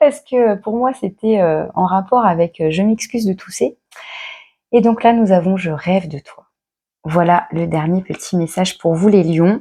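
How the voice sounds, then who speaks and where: Her dark, mellow tone sits at a medium pitch as this woman speaks at a fairly slow pace with ordinary pitch variation. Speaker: tarot card reader. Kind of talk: tarot reading monologue. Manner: hesitant, many fillers.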